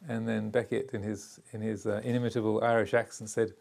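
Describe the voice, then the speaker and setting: Older man with a gravelly, halting voice. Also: fairly low pitch, flat delivery, a little mellow. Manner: halting and reflective, with frequent hesitations. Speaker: Buddhist teacher. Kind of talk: dharma talk to a retreat group.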